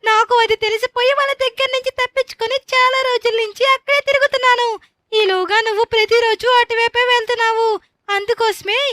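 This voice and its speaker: A woman voicing a gentle female white tiger on the run, speaking in a soft, pleading way. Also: very high voice, dry recording. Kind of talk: gameplay story voice-over.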